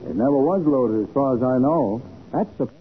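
An assured detective in a radio crime play. His mid-pitched voice moves animatedly as he reasons things out. The recording is boxy 1940s radio with faint hiss. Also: lively intonation, a little fast, husky, phone-quality sound. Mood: businesslike. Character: confident, quick-thinking male private detective.

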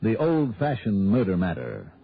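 An actor playing a brisk, wry male insurance investigator who narrates his own case in a 1960s radio drama. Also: lowish voice, wildly swooping pitch, vocal fry, exaggerated voice. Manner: dry, easygoing, quick narration. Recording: tinny narrow-band old radio broadcast with music.

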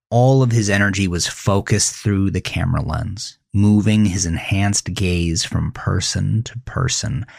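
Deep, gravelly man narrating dark fiction. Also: dry recording. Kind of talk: scripted dramatic narration of horror thriller fiction. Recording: close dry voice over faint music. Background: faint music.

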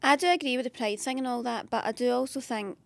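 A woman's voice: on the high side, fast, creaky, no room sound. A Scottish woman in her late twenties co-hosting a podcast, talking bluntly and casually, swearing now and then. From Scotland. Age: late 20s. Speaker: podcast co-host. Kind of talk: casual chat.

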